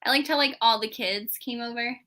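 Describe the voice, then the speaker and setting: A woman's voice: a little high, brisk, pushed and bright. A woman talking informally about books as a live show co-host, using "like" often as she gives opinions. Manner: informal, heavy use of "like". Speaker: co-host of a book club readalong. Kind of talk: casual book chat, live show.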